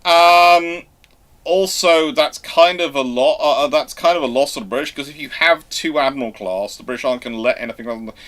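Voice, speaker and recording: A man hosting a live question-and-answer history talk, speaking in a halting, emphatic way as he reworks his phrases. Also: on the high side, a bit bright. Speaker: host answering viewer questions.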